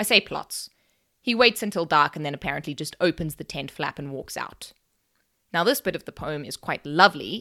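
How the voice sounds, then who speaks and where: On a very clean recording with a silent background, a woman with a bright, sharp tone talks at a fairly quick pace with very wide pitch swings. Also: dry, close sound with no echo. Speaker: podcast host. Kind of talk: scripted narration with epic poem reading. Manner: shifts to solemn, rhythmic poetic reading in the verse.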